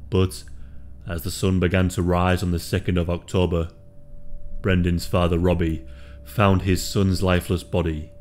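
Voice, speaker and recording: A man reading a scripted true crime story in a steady, solemn manner. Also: low voice.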